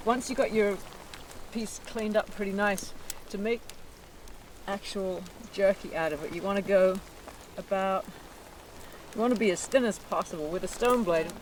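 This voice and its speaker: A man who teaches wilderness skills, speaking slowly and reflectively in a documentary interview and while teaching. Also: high voice, a little hiss or hum.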